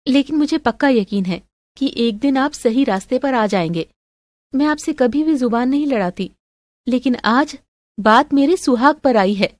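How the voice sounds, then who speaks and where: A woman's voice: high voice, animated, normal speed, dry recording, clean studio sound. A woman voicing a meek, wronged young daughter-in-law who pleads, in a melodramatic family story. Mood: earnest. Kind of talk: melodramatic audio story acting.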